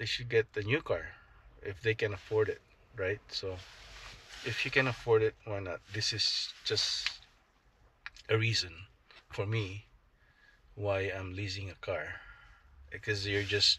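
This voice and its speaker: A man with a fairly low pitch speaks at a fairly slow pace, taking long, frequent pauses, with fairly even intonation. The sound is dry with no echo, and there is light background noise. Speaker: vlogger. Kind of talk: casual vlog chat. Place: car.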